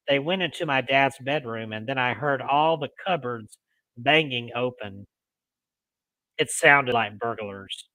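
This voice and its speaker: A man hosting a paranormal show, reading ghost stories aloud in deliberate phrases with casual asides. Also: mid-range voice, bright, forceful tone, no echo, low-quality recording. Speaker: host of a paranormal storytelling show.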